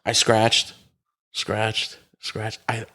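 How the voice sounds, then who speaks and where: A man co-hosting a podcast, telling an excitable, profane story in casual chat. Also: on the low side, drawn-out words.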